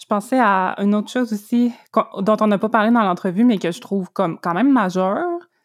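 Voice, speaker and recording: Recorded very cleanly against a silent background, a woman with a Quebec accent and a fairly high pitch talks fairly quickly with ordinary pitch variation. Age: 30s. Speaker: podcast co-host. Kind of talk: casual chat.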